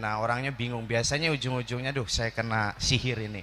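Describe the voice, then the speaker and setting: A man is speaking. His pace is fairly quick. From Cilacap, Central Java. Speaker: hypnotherapist and hypnosis instructor. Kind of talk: seminar lecture.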